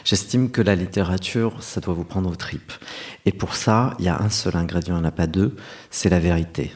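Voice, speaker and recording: A middle-aged male novelist with a deep, low-pitched voice. He speaks reflectively and earnestly in an interview, often pausing with hesitations as he gathers his thoughts. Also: darkish tone. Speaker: novelist guest. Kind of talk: interview conversation.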